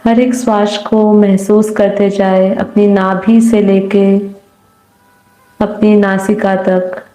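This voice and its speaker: A woman guiding a meditation in a soothing, unhurried manner with long pauses. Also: mid-range voice, flat delivery, mellow. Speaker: meditation guide. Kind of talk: guided meditation, slow calm instruction. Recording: roomy echo. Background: faint music.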